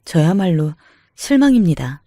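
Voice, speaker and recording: A man voicing a calm, cutting young newlywed daughter-in-law who answers politely but sarcastically. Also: fairly high pitch, normal speed, no echo, studio quality. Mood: sarcastic. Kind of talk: dramatized story reading.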